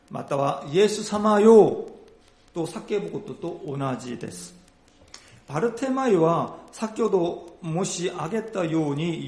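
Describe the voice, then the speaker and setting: A man's voice: fairly high pitch, creaky, darkish tone, roomy sound. A man preaching a sermon, retelling a Bible story with dramatic, rising emphasis.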